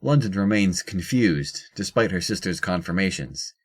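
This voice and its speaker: A man's voice: sits low, animated, normal speed, husky. A man reading scripted narration for an audio drama.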